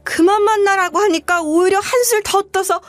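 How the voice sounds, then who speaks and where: A woman's voice: moderate pace, no echo, faint music behind. A woman voicing a haughty, scornful middle-aged future mother-in-law who belittles and scolds. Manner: sneering, belittling, shrill scolding.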